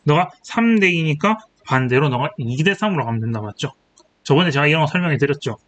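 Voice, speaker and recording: A man's voice: fairly high pitch, animated, fast, a bit bright. Young man tutoring with a faint hiss. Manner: checks in constantly with rhetorical questions; self-correcting, thinking aloud while writing. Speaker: chemistry tutor. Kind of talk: exam problem walkthrough lecture.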